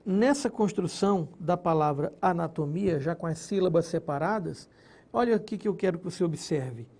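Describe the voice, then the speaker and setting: Male grammar teacher, mellow tone, patient step-by-step explanation for a recorded class. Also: a little high, moderate pace. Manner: didactic, splits words syllable by syllable, checks in with "beleza?" and "ok?". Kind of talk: recorded exam-prep lesson.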